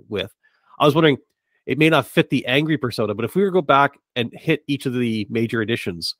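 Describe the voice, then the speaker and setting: A man hosting a podcast in casual interview chat, asking meandering, halting questions. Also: medium pitch, fairly bright tone, no room sound, clean studio sound. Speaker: podcast host.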